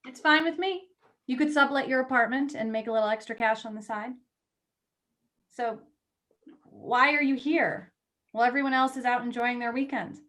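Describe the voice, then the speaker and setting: A woman's voice: a little high, moderate pace, long pauses, fairly bright tone, lightly acted. A woman acting in a play reading as a blunt, wry magazine editor who is a loyal, teasing friend. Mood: dry teasing.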